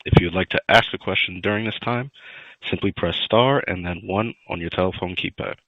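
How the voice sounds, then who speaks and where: A man with a very deep voice reads call instructions in a polite, formal announcer style. The sound is dry and close, yet dull and muffled. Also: brisk, dry recording. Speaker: conference call operator.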